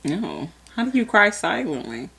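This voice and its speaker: This is a young woman co-hosting a casual podcast. Her voice sits a little low. She talks in loose slang, swears without a second thought and laughs often as she goes. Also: very animated, normal speed, creaky, bright, forceful tone, slightly rough. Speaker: podcast co-host. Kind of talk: casual chat.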